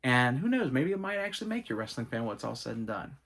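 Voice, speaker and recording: A man's voice: mid-range voice, fast talker. Man enthusiastically recounting old wrestling matches. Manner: enthusiastic storytelling, animated asides. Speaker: gaming and wrestling channel host. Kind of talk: casual Q&A monologue.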